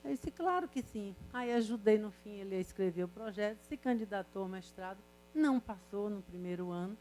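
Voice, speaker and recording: A woman's voice: medium pitch, animated, brisk, a little mellow, a little hiss or hum, poor audio. An older woman professor, lecturing a class in a chatty way, full of rhetorical questions and stories. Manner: conversational, asks students rhetorical questions. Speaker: university professor.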